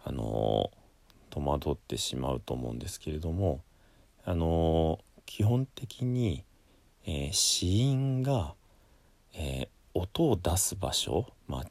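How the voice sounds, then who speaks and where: A man with a low, dark voice who speaks very slowly and deliberately, as a Buddhist priest chanting and then explaining pronunciation. His delivery is measured, with frequent fillers, and the recording is dry and close. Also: animated, creaky, no echo. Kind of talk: chanting, then spoken lesson.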